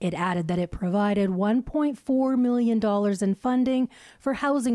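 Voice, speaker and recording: In a normal speaking voice, a woman talks at a moderate pace, her pitch fairly high with ordinary variation. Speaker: news reporter. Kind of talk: TV news report narration.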